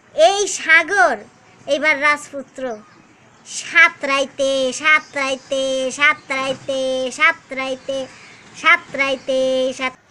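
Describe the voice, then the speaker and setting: Putting on a character voice, a woman drawls at a very slow pace, high-pitched and fairly even in intonation. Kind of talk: bedtime story. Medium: comedy sketch. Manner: slow, repetitive, drawling.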